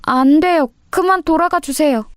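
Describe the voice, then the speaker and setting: A woman voicing a frightened, timid teenage schoolgirl who pleads in a high, trembling voice. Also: normal speed, no room sound, clean studio sound, lightly acted.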